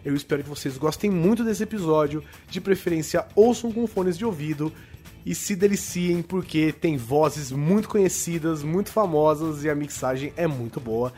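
A Brazilian man with a slightly high-pitched voice presents a podcast. He chats casually and recommends a show over background music. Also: moderate pace, warm tone. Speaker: podcast host.

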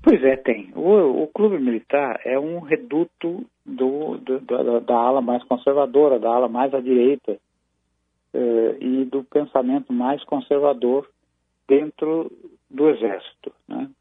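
A Brazilian man analyses military matters over a tinny phone line. His voice is gravelly and dry, and he speaks in a measured, halting way with frequent restarts. It sounds like a phone-in segment on a news program. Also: mid-range voice, no room sound. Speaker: commentator on military affairs.

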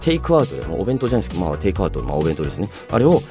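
Guy hosting radio, really animated low voice, polite n chatty, music playing behind him. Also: rapid-fire. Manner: polite, expressive, often breaking into laughter. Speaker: radio show host. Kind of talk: chatty radio talk, reading listener mail. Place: radio studio. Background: background music.

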